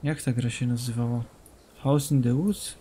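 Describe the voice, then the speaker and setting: A man's voice: medium pitch, fairly even intonation, moderate pace, warm tone, slight background noise. A young man commentating a horror game as a streamer, joking, talking to the game's characters and dropping English phrases. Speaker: gaming streamer.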